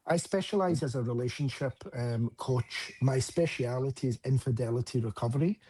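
A man's voice: mid-range voice, brisk, mellow, a little hiss or hum, poor audio. A man with a Scottish accent, a relationship coach talking earnestly at length as an interview guest. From Scotland. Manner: earnest, explanatory, frequent fillers.

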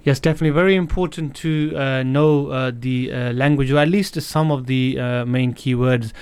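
Smooth-voiced male radio host. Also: medium pitch, fairly even intonation, normal speed, a little mellow, no echo. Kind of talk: radio interview.

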